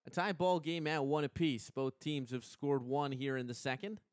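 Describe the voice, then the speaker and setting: A young American man doing live radio play-by-play commentary of a softball game as the announcer. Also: fairly high pitch, no echo, studio quality. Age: young adult. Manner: measured between plays, excited on big plays.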